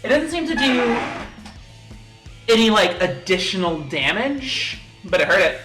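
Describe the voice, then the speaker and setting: A man runs the table as game master, his voice bright and forward. He narrates loosely, stumbling through fillers and restarts. The room rings with echo, and soft music plays underneath. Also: sits high, big pitch swings, measured pace. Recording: echoey room with faint music.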